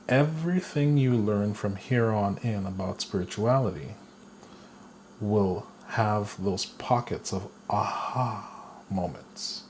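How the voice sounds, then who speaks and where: Slow, deliberate male spiritual teacher. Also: fairly low pitch, darkish tone, a little hiss or hum. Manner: slow, deliberate, with playful chuckles. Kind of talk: guided spiritual lesson.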